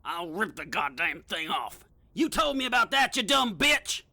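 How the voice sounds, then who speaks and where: A vicious, petulant male vampire voiced by a woman in an audio drama. The voice is sharp and forceful and swings widely in pitch, full of explosive, indignant cursing. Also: very animated, moderate pace, gravelly, exaggerated voice. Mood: furious. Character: hot-tempered, foul-mouthed male vampire, vicious and petulant. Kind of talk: audio drama comedy acting.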